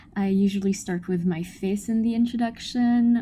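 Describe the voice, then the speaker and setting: A soft-spoken woman talks in a dark, mellow tone. Her voice is somewhat breathy, with fairly even intonation. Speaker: vlogger. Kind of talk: show and tell vlog.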